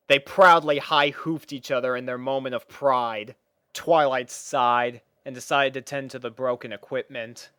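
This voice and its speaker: A woman narrating a scripted story in an expressive manner. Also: a bass voice, no echo, studio quality.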